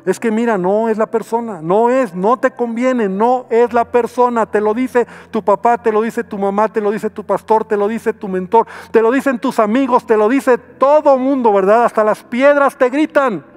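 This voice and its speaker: Mexican pastor guy preaching, high pitched, goes quiet for emphasis. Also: normal speed, hardly any pauses, faint music behind. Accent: Mexican Spanish. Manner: dramatic, acting out people's pleas in short quoted bursts; drops to a near murmur to stress a point. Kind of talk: sermon.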